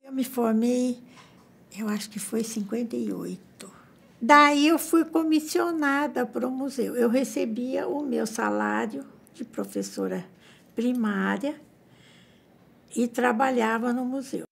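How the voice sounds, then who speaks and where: Older lady 70s, gravelly husky voice, kinda high, slow. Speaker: former primary teacher at museum. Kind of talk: documentary interview.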